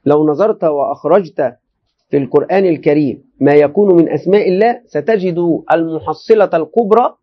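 This lo-fi clip captures a man with a high-sitting voice teaching a religious text to a class. He keeps rephrasing and repeating himself, addressing students directly and frequently making sure they follow.

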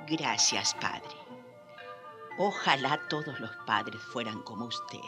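An actress playing a dignified, grieving old indigenous woman in a radio drama, speaking solemnly and forcefully. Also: a bass voice, slow pace, over music. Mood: grateful. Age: older. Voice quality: hoarse when reading forcefully.

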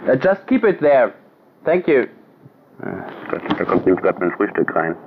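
A man's voice: on the low side, sing-song, normal speed. A man working as a journalist, talking casually and somewhat apologetically on a telephone call. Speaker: journalist interviewing by phone. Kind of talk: casual phone conversation. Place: hotel room, on the telephone. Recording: tinny, noisy phone line with music.

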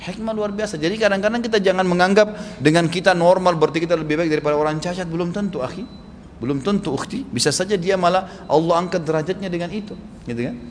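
A man's voice: high voice, fast talker, slight background noise. A man preaching a sermon, telling a story and acting out its dialogue with animation. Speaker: Islamic preacher. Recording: long hall reverb, faint ambience.

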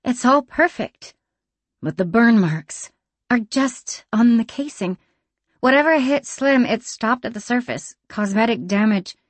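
A woman doing a measured, deadpan tinkerer. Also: fairly high pitch, no echo, voice pushed up. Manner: careful, measured, slightly formal.

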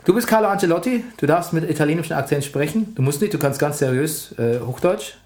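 A man's voice: fairly high pitch, quick pace, slight background noise. Chatty man co-hosting, echoey room. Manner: animated, quotes and acts out anecdotes. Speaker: podcast co-host. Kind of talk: casual chat.

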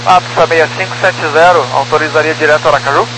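A man's voice: on the high side, steady tone, quick pace. A Brazilian man speaking as an airline pilot in clipped radio phraseology over an aviation radio. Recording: noisy humming aircraft radio transmission.

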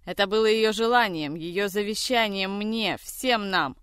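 Figure: furious man voiced by a reader. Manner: shouting, harsh, accusing. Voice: smooth and clear, louder and higher than the narration. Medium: audiobook. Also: normal speed, no echo, studio quality, natural voice. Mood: enraged. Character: furious man, a general's grandson, lashing out.

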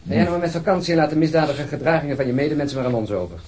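An actor playing a brisk, sardonic police colleague, bantering and bossy in a crime drama. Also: male voice, on the high side, expressive, noisy background, lightly acted. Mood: teasing.

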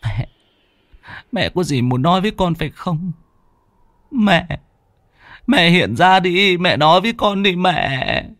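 A man's voice: high voice, big pitch swings, unhurried, few pauses, mellow, no room sound, clean studio sound, pitched above the performer's own voice, full character voice. A man voicing a grieving young man who calls out tearfully, pleading with his dead mother.

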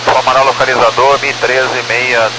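A man's voice: medium pitch, level tone, normal speed. A Brazilian man speaking as a pilot in clipped radio calls over a crackly, military-sounding radio link. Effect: crackly aviation radio. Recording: crackly radio with hum and loud noise.

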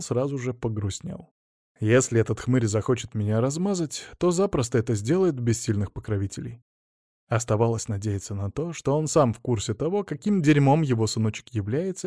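Male narrator for a first-person novel, plain and even, mid-pitched, dry close recording. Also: no room sound. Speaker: audiobook narrator.

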